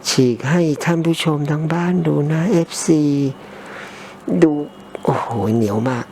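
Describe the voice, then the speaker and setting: A middle-aged man with a Thai accent talks casually to his viewers while cleaning someone's ears. His voice is mellow and dark, with a rambling, chatty manner. It is picked up by a camera mic with a faint hiss behind it. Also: a little high, lively intonation, unhurried. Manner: rambling, conversational, addresses viewers at home. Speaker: ear-cleaning video host. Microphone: camera mic, no close-up mic.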